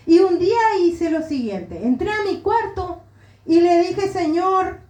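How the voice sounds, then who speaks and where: A woman's voice: very high-pitched, lively intonation, measured pace, mellow. A middle-aged woman pastor with an Argentine Spanish accent, giving an earnest, emotional sermon testimony. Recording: roomy echo.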